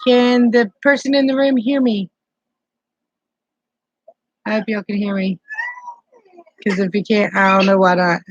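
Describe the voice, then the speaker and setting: A woman's voice: medium pitch, steady tone, a little slow, long pauses, dry recording, dull audio. A woman in her forties with a Southern US accent chats casually to viewers on a live stream, greeting them by name while soothing a grandbaby. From Southern United States. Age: 40s. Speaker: keto vlogger hosting a live stream.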